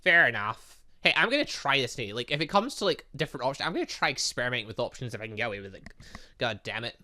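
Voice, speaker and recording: A man's voice: mid-range voice, big pitch swings, fast talker, bright, forceful tone. A man hosting a gaming video, chatting and reacting aloud as he plays through a visual novel. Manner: chatty, reacts aloud between read lines. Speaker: gaming channel host. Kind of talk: let's play commentary, reading visual novel dialogue aloud.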